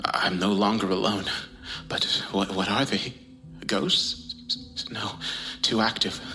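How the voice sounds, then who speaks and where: A man's voice: fairly low pitch, little pitch movement, takes it slowly, bright, forceful tone, exaggerated voice. An actor playing a terrified, isolated man who is coming apart, whispering and stammering into an audio log. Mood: frightened.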